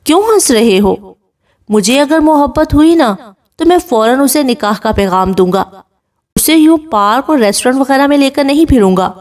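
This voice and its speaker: A woman's voice: on the high side, animated, darkish tone, lightly acted. A woman voicing a stern, protective younger brother who speaks in a harsh, scolding tone in a storybook reading.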